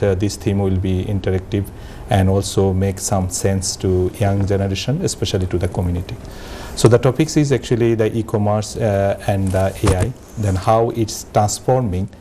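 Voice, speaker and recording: Halting male talk show host. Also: on the low side, dark tone. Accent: Bangladeshi. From Bangladesh. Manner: halting, many uh fillers and restarts. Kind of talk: hesitant studio talk show hosting. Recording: faint background noise.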